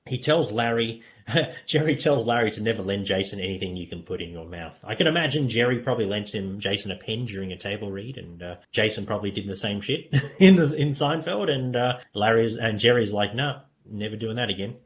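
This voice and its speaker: Low-pitched man casually recapping a show. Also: fairly bright tone. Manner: chuckles often while talking. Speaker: podcast co-host. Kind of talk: casual scene-by-scene episode recap and review.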